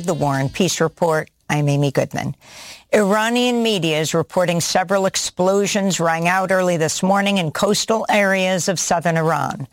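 A woman anchoring a news broadcast, reading scripted headlines in a steady, even-toned way. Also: medium pitch, dry recording. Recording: dry studio voice.

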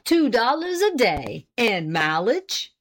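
A woman's voice: medium pitch, sing-song, a little slow, a bit bright. A woman voicing a pompous, self-important old farmer husband with an indignant, boastful rural drawl.

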